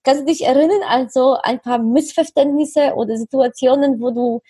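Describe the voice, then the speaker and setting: A woman with a high, mellow, slightly breathy voice, hosting an interview. She asks long, winding questions that build up step by step. The recording is close and dry. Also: normal speed, dry recording. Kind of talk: conversational interview.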